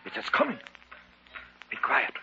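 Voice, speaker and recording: A man's voice: measured pace, bright, forceful tone, slight background noise. An actor playing a formal, authoritative male occult doctor in a 1950s radio drama, on a dull old broadcast recording. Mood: grave.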